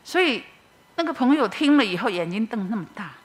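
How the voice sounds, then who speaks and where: A middle-aged woman with a Taiwanese Mandarin accent, giving a personal testimony at church as an expressive storyteller. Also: on the high side, brisk.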